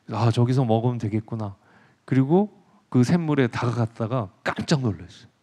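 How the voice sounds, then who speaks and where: Male professor telling myths to a crowd, lively, keeps asking questions, plays the parts. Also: mid-range voice, brisk. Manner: animated, acts out characters, questions the audience. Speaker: professor giving a public lecture. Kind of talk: storytelling lecture on myths.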